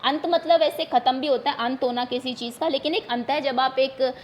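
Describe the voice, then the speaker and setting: A woman's voice: high voice, fairly even intonation, fairly quick, slight background noise. A woman teacher going through exam questions one at a time, patiently repeating each term in plain Hindi. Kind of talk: explaining exam answers.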